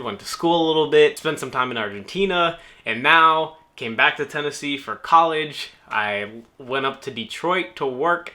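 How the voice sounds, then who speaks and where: Speaking in a mid-range, sharp voice, this young New Orleans man answers questions from his viewers. The vlog is a relaxed, jokey Q&A.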